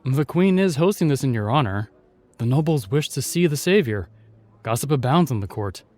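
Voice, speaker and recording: An actor playing a chivalrous, shyly tender knight in a fantasy audio roleplay, speaking with courtly, reassuring and slightly hesitant phrasing. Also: male voice, medium pitch, animated, moderate pace, a little mellow, natural voice. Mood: gentle, formal.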